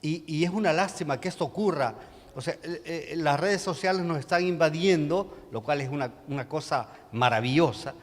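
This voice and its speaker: A man with a Salvadoran accent reflecting off the cuff as a panel guest, halting, with frequent filler sounds. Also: on the high side. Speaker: panel guest, journalist and documentary maker. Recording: long reverb of a hall.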